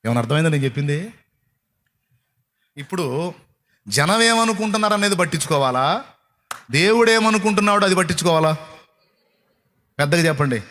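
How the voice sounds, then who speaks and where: A man's voice: on the high side, animated, brisk, pauses often, a bit bright. A man preaching a sermon, firing rhetorical questions at his listeners and mocking their complaints.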